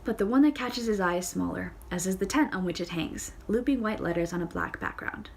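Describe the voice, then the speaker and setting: A woman's voice: medium pitch, brisk, vocal fry, a little mellow, slight background noise. A woman reading a novel aloud casually, often correcting her slips and adding playful comments of her own. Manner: reads with fillers, self-corrections and playful side comments. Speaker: audiobook reader.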